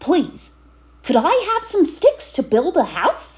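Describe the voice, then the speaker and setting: A woman puts on a character voice. She speaks at a fairly slow pace. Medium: read story.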